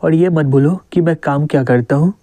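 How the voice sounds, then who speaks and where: A man's voice: a little high, brisk, dark tone, no echo, natural voice. A fatherly police captain, read by a man. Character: older male police captain, fatherly and shrewd.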